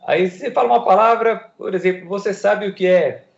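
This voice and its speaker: A man with a high voice talks fast and animatedly, explaining ideas through everyday examples. The recording is lo-fi and echoey, as if made in a bare room. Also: vocal fry. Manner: lively, gives everyday examples, laughs lightly. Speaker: co-host in a discussion. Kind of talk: casual conversational explanation.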